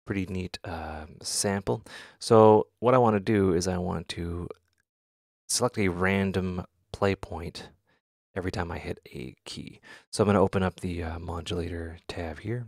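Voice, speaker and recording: A man talks casually through a software demonstration in a low voice with plenty of vocal fry. He hesitates and thinks aloud as he goes. The sound is dry and close, with very little room. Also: fairly even intonation, moderate pace, no room sound. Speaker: tutorial host. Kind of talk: casual software tutorial talk.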